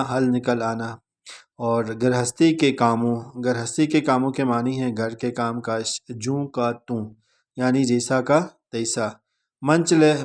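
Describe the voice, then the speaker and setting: A male teacher calmly explaining word meanings in a vocabulary lesson, pausing often with "uh". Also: medium pitch. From Pakistan. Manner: measured, deliberate delivery with frequent "uh" pauses.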